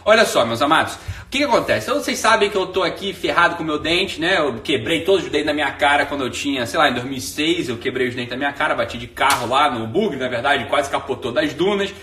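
A Brazilian man ranting to his followers in a casual monologue, profane and animated. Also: on the high side, fast, a little hiss or hum. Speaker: online course teacher. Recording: echoey room, voice far from mic.

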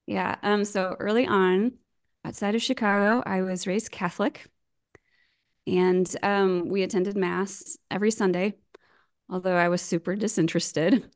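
An American woman in her forties, chatting casually as a podcast guest over a video call, self-deprecating and quick to laugh. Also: mid-range voice, steady tone. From United States. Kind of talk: casual remote interview chat.

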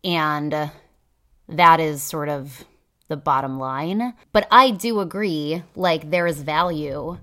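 Low voiced lady chatting on a podcast, cynical, lots of likes and you knows. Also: takes it slowly, bright, forceful tone. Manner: cynical, hedging, many fillers. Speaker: podcast co-host; teacher. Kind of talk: casual podcast chat.

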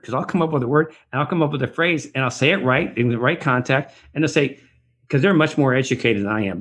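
A middle-aged man in the Los Angeles area is a guest on a conversational podcast interview, speaking in a rambling, reflective way with frequent restarts. His medium-pitched voice is fairly bright and slightly rough.

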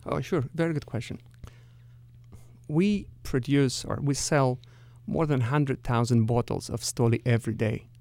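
A middle-aged company executive with a Russian accent answers interview questions carefully, explaining things in a measured way. His medium-pitched voice is a little mellow, recorded dry.

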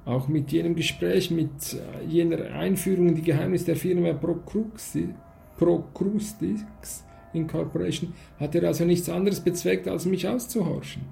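Male audiobook narrator, measured first-person reading; gravelly, slightly high voice. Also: steady tone, warm tone, faint music behind. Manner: measured, with occasional slips and restarts. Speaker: audiobook reader.

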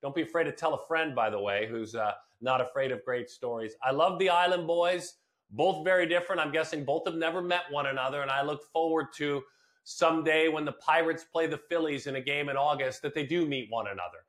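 A man's voice: on the high side, a little fast, fairly bright tone. A man hosting a conversational sports podcast, speaking earnestly and often repeating words for emphasis. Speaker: podcast host.

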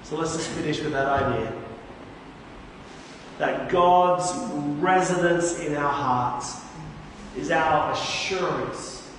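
A higher-voiced man preaches earnestly, leaning on key words with a slower pace. His voice comes from a distance and rings through a big reverberant church hall, with faint room noise underneath. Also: fairly bright tone. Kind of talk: sermon. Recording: echoey hall, voice from far off.

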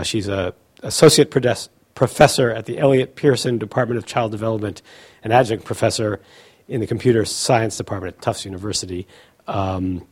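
A man's voice: lowish voice, breathy edge. A man introducing a guest speaker at a talk, hesitant and reading from notes. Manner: hesitant, with many fillers and restarts.

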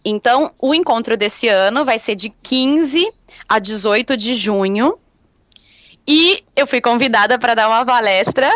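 A cheerful woman chats as a podcast guest, laughing often and bubbling over as she shares her news. Her voice sits a little high. The sound is dry and dull, a lo-fi recording with no room around it. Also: a little slow, a bit bright, no room sound. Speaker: guest, touring cyclist. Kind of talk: casual podcast chat.

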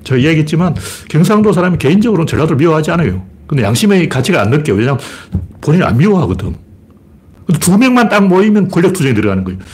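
A man's voice: a little high, very animated, racing, a little mellow, slight background noise. A man hosting a live stream, giving blunt, rambling political commentary and greeting viewers by name. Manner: blunt, rambling, mimics people in raised voices. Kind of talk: casual political commentary livestream.

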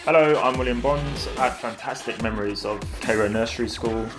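A man's voice: mid-range voice, brisk. A man informally reminiscing as a guest contributor. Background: music.

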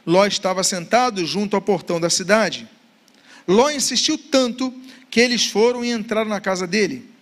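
A man's voice: high-pitched, normal speed. A man giving a Bible study lecture, reading scripture passages aloud and posing rhetorical questions. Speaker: Bible teacher.

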